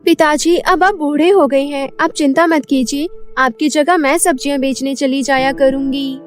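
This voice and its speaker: A woman's voice: sits high, steady tone, moderate pace, faint music behind, natural voice. A woman voicing a sweet, dutiful young daughter from a poor family in a cartoon story, speaking earnestly. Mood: earnest, caring. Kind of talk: Hindi cartoon story dubbing.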